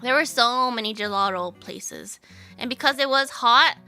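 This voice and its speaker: A woman's voice: on the high side, slow, sharp tone, smooth, soft background music. A woman streamer and native English speaker chatting casually on a livestream, telling stories animatedly and switching between Japanese and English. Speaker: VTuber streamer.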